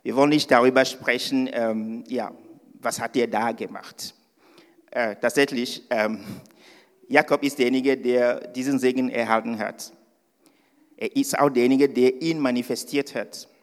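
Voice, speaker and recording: Slow, hesitant male preacher in a reverberant hall. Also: medium pitch, fairly even intonation. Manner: hesitant, with many fillers and restarts. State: a little nervous. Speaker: guest preacher. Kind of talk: sermon. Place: church service.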